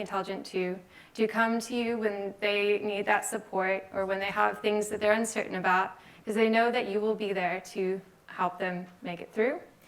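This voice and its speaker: Noticeable background noise surrounds a woman with a fairly high pitch. She talks at a fairly quick pace with fairly even intonation. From California. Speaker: software engineer and conference speaker. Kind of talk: conference talk.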